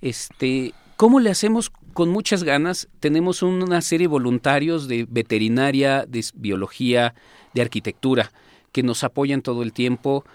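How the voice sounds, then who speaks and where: A man, speaking as the executive secretary of a nature reserve, explaining in an animated, casual way with homely comparisons. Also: mid-range voice, moderate pace, clear, resonant tone, dry recording. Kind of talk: casual interview talk.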